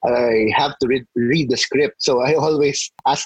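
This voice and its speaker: A man speaks with a Filipino accent. The sound is dry and close, with no echo. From Philippines, Metro Manila. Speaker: comic book colorist. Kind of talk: interview. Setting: video call.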